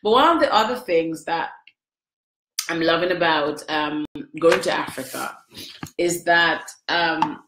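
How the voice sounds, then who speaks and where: A woman's voice: on the low side, a bit bright. A middle-aged woman chatting live on a webcam at home, sniffly from crying, emotional and talking to viewers by name. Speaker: livestream host answering viewers. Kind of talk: casual live video chat. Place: small room at home, indoors. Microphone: webcam at close range. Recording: echoey room.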